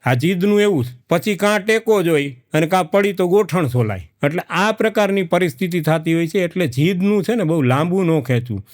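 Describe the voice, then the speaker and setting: A man spins a folksy comic tale about village life. His voice sits high, and he repeats words for rhythm as he acts out each character. The recording is dry and close. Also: animated, normal speed, hardly any pauses, no room sound. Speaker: comedic storyteller. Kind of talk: folk joke storytelling to a live audience.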